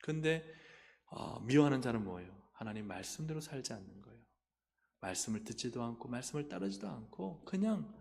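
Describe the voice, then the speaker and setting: A male pastor with a Gyeongsang accent preaching a lively sermon, calling for amens and acting out little dialogues. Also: medium pitch, a little fast, creaky, in a large hall. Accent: Gyeongsang Korean. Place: church sanctuary.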